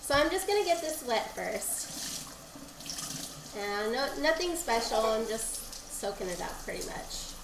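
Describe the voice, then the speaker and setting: A woman streamer with a higher voice, sounding stuffed-up and nasal from a lingering cold. She explains her crafting steps in a chatty, meandering way. The room is echoey, with a faint hiss behind her. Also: big pitch swings, unhurried, gravelly. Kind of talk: casual live-stream dyeing tutorial.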